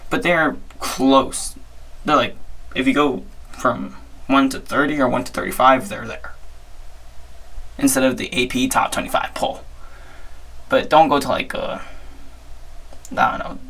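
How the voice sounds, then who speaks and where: A hoarse young man hosting his own podcast, giving chatty, upbeat sports talk with frequent restarts. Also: medium pitch, moderate pace, pauses often, a bit bright, low-quality recording. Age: young adult. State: hoarse, strained voice. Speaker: podcast host. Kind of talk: casual solo sports talk.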